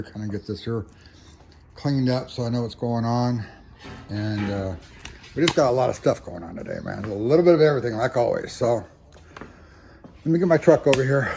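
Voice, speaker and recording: A man's voice: mid-range voice, a little mellow. A middle-aged man chatting casually as a homestead vlogger, a rambling, chuckling storyteller talking outdoors on a farmstead into a camera mic. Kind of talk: casual chat. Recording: outdoor vehicle noise.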